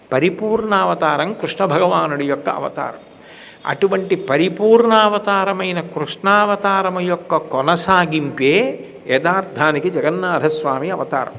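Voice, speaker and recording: A man's voice: fairly high pitch, fairly bright tone, in a large hall, a little hiss or hum. A man giving a devotional discourse who tells stories with quoted dialogue and chants Sanskrit verses. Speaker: spiritual discourse speaker.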